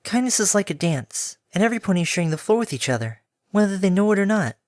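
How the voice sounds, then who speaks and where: Sweet breathy pony lady, soft and kind, way higher up, a guy doing her voice, dry sound. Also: sing-song, fast, dry recording. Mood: gentle cheerful. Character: gentle soft-spoken kindly female pegasus pony.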